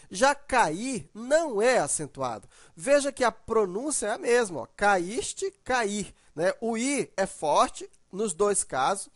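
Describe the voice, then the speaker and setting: A man's voice: high voice, dry recording. Man teaching grammar on a close, dry mic, patient and step-by-step. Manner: explanatory, repeats checks like "ok" and "ó". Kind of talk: recorded grammar lesson.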